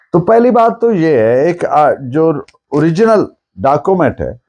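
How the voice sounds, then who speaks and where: A man with a Pakistani accent speaks in a soft, mellow tone, pitched a little high. He lectures like a teacher, deliberate and didactic, restating key phrases so they are clear. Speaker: law lecturer. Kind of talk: explanatory lecture mixing Urdu with English legal terms.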